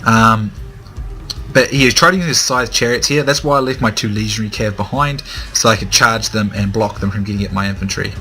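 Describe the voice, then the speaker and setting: A young man casually commenting on a strategy game battle, hesitant with many ums, his throat a little dry and hoarse. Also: on the low side, fairly quick, sharp tone, soft background music. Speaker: gaming commentator.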